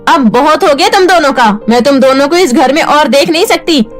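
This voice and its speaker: A sharp-tongued cartoon stepmother, voiced by a woman, middle-aged and cruel. She scolds in a high, harsh tone and flings insults. Faint music plays behind her. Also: brisk, close to an everyday voice. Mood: angry, scolding.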